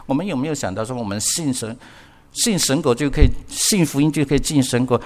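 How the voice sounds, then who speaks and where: A man's voice: medium pitch, fairly quick, big-room sound. An older man preaching a sermon, often asking the congregation questions and repeating words for emphasis. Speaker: pastor.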